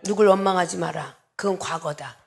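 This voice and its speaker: A woman pastor preaching a sermon with emphasis, acting out dialogue in different voices and sometimes shouting. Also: on the low side, moderate pace, gravelly.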